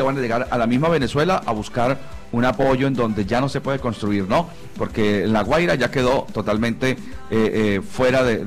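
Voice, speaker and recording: Colombian man hosting Christian morning radio. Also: medium pitch. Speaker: radio show host. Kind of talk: live Christian radio talk.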